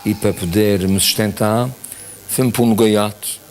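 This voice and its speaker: A man's voice: on the low side, fairly even intonation, a little slow, a little mellow. A man in his sixties from São in the Azores, telling his life story plainly as a TV interview guest. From São Miguel, Azores. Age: 60s. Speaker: guest, retired army major.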